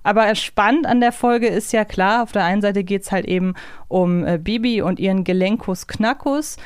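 A woman with a smooth, clear voice of medium pitch chats as a podcast co-host. She is casual and reflective, in a dry, close recording. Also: moderate pace, no room sound. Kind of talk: casual conversational discussion.

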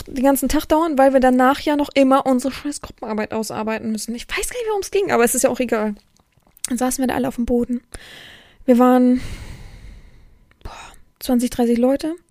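Young woman, podcast host, casual storytelling, blunt, high-pitched, dry close sound. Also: darkish tone, no echo. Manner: blunt, chatty, frequent fillers and restarts.

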